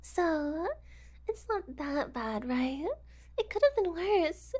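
A woman's voice: high-pitched, expressive, slow, a little mellow. A woman playing a giggly, unhinged young woman kidnapper who teases and whispers asides in a sweetly menacing way. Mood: smug. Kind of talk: audio roleplay acting.

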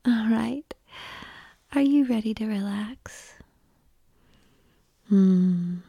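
A woman whispering softly and calmly in an ASMR roleplay, coaxing the listener through slow breathing, close to the microphone. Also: fairly high pitch, breathy edge, no room sound. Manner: soft unvoiced whispering; calm, coaxing breathing guidance.

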